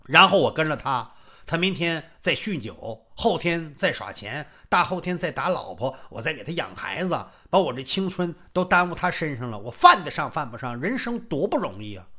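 A man voicing a cheeky, stubborn young female apprentice in traditional Chinese storytelling, complaining in a quieter, lower voice. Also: very animated, moderate pace, exaggerated voice.

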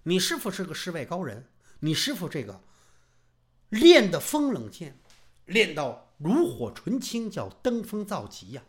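A man voicing a playful, mocking old hunchbacked martial master who teases his opponent and breaks into shouted jokes. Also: sits high, wildly swooping pitch, unhurried, breathy edge, heavily acted. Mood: teasing.

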